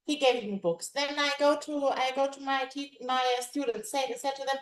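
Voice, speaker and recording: A woman whose first languages are Greek and German gives a conference presentation in English as a language teacher. She talks haltingly, searching for words and restarting often. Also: high voice, slight background noise. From Greece. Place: conference room. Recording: echoey room.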